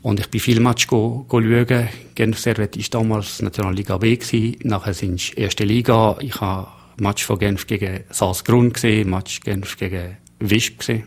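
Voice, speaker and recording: A middle-aged man whose first language is French, speaking as a hotelier guest in a radio studio and telling stories with lively emphasis. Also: lowish voice, normal speed, few pauses. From Geneva, Switzerland. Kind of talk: radio interview.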